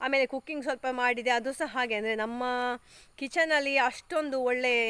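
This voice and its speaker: A woman with a high voice and ordinary pitch variation is heard in a very clean recording with a silent background and a dry, close sound with no echo. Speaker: village lifestyle vlogger, housewife. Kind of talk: casual vlog monologue. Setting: outdoors on a farm. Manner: forceful, assertive.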